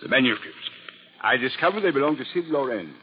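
Prissy cautious art fence, old radio drama, formal, hems and haws, muffled. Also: male voice, medium pitch, animated, a little fast, husky. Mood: coolly withdrawing. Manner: formal, hesitant, repeats his words. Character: fussy, cautious, shady male art dealer. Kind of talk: 1940s radio drama acting. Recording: muffled, faintly noisy old radio recording.

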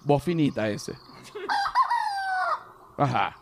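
Lively man telling animal anecdotes. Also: medium pitch, drawn-out words, gravelly, very noisy. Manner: animated storyteller, mimics animal cries. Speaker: podcast host. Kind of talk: casual monologue with anecdotes.

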